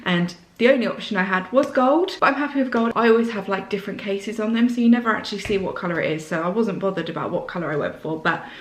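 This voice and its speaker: A woman vlogger with a slight sore throat, chatting excitedly through a casual unboxing indoors. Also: mid-range voice, fast talker, hardly any pauses, roomy sound, a little hiss or hum.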